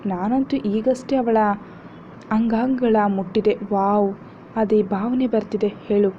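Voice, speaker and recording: A woman's voice: a little high, steady tone, slow pace. A woman voicing a jealous, crude young man who mocks and provokes his rival, on a dull lo-fi recording with faint hiss. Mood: taunting. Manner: mocking, sneering, provocative.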